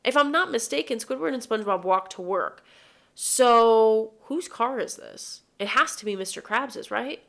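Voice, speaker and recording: A woman's voice: a little high, lively intonation, normal speed, creaky, fairly bright tone, a little hiss or hum. Young woman host, nasal from allergies, jokey and opinionated, casual review chat. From Chicago, USA. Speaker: podcast host reviewing cartoon episodes.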